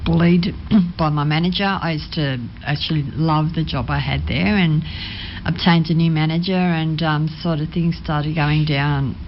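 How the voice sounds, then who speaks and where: Woman, studio guest, low voice, halting and soft, dull lo-fi sound. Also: fairly even intonation, a little hiss or hum. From Sydney, Australia. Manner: hesitant, many ums, soft-spoken. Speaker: interview guest. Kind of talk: personal testimony. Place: radio studio.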